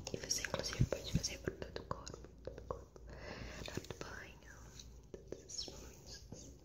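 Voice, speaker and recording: A woman whispers with big swings in loudness. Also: moderate pace. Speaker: ASMR creator. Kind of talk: ASMR hand care role play. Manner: soft-spoken.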